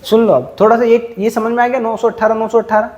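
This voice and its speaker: A man with a high, soft, mellow voice teaches a class live. He fires questions at the students and repeats figures over and over to drill them in. He is heard through a lapel mic. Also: level tone, fast talker. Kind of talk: classroom lecture.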